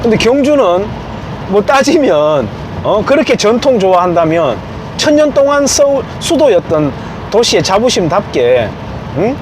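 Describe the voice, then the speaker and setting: A man's voice: high-pitched, big pitch swings, moderate pace, noisy background. A man giving an informal, emphatic opinion monologue. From Gyeongju, South Korea. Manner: emphatic, acts out quoted remarks. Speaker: commentator.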